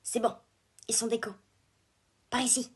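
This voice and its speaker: A woman's voice: fairly high pitch, little pitch movement, measured pace, breathy edge. A woman playing a female robot squad leader in a cartoon fan dub, chirpy with office jargon and brittle professional composure. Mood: brisk, confiding. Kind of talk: scripted fan dub of an animated series.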